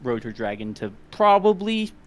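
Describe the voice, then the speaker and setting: Animated man in casual podcast chat. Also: high-pitched, normal speed. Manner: animated, exasperated, swears casually. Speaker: podcast co-host.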